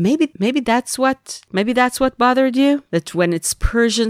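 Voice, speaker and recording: Speaking with an Israeli accent, a woman's pitch swings very widely in a dry, close sound with no echo. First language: Hebrew. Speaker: podcast host and linguist. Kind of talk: casual chat. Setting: video call.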